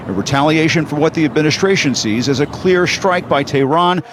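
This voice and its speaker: A man's voice: a little high, a little fast, background noise. A man with an American accent narrating a scripted news report as a correspondent.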